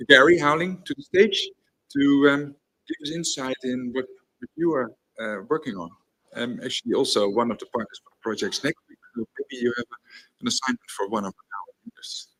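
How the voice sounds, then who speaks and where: A man hosting an event on a theatre stage, introducing the next speaker in a hesitant way with many pauses and fillers. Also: medium pitch, fairly bright tone, poor audio. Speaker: event host.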